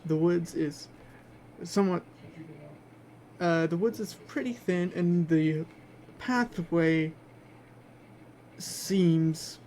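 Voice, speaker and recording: Serving as game master for a tabletop game, a man improvises the narration haltingly while hunting for the right words. His voice is fairly high and warm, with faint background noise in the recording.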